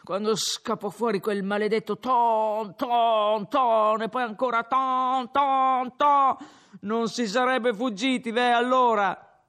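Man doing a drunk young peasant, slurred, boastful, rambling, high and loud, slow. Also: animated, full character voice. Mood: drunken ranting.

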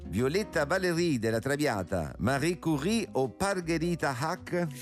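A man's voice: a little high, expressive, measured pace. A man playing an upbeat, showy radio game show host who gets consonants wrong and carries on blithely. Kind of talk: parody radio quiz show. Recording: music bed behind the voice.

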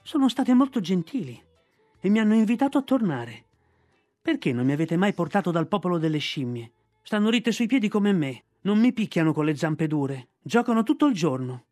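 A man's voice: high voice, big pitch swings, moderate pace, darkish tone, no room sound, studio quality, faint music behind, pitched above the performer's own voice. A man voicing a cheeky, boastful boy raised in the jungle. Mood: excited, pleading.

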